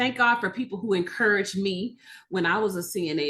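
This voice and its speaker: With an American accent, a woman speaks at medium pitch in a normal speaking voice. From Jacksonville, Florida. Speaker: doctor. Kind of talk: testimony.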